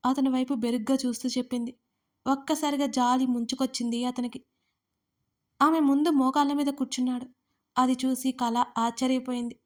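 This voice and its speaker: A woman storyteller narrating an audio story in a steady, even reading. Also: a little high.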